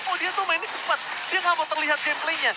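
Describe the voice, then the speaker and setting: High-pitched, hyped Indonesian esports announcer man. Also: steady tone, heavy background noise. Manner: hyped fighting game announcer delivery, dramatic drawn-out calls. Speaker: esports shoutcaster. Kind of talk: live play-by-play esports commentary.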